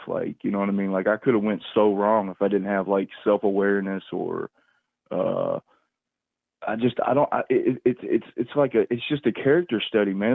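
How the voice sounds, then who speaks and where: A man calling in to a livestream over a phone, rambling casually in a halting, repetitive way as he searches for words. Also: on the low side, dry recording. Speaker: call-in caller on a livestream. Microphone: phone call. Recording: tinny, narrow phone-call line, dry.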